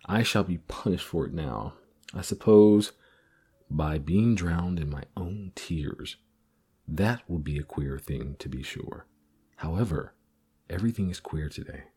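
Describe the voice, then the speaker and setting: A man's voice: low-pitched, a little slow, warm tone, slightly rough, full character voice. A man voicing polite chattering girl Alice. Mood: earnest. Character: curious polite young girl.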